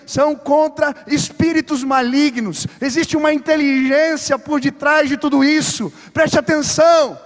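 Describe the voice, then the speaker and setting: A Brazilian pastor with a strikingly high voice delivers a fervent sermon, easing into chatty asides before pressing his point. His words ring through a church hall with a long, lingering reverb. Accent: Brazilian Portuguese. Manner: impassioned preaching with casual asides and building exhortation. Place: church sanctuary.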